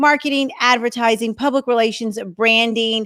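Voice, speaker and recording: At a moderate pace, an unremarkable speaking voice carries on. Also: woman. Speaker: podcast host. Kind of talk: show opening to audience. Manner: upbeat.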